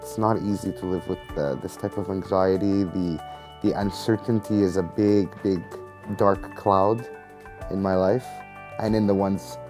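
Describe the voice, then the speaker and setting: A man in his thirties giving personal testimony in an interview, hesitant with many pauses. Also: sits low, steady tone, music in the background. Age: 30s.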